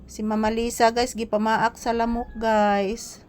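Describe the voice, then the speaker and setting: A woman vlogger with a slightly high voice talks easily to her followers, sprinkling "guys" through every sentence. A faint background hum sits under her casual chat. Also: little pitch movement, unhurried. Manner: keeps calling her viewers "guys" and "palangga". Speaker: vlogger with a pet puppy. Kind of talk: casual vlog chat to viewers. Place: hanging out at a small store.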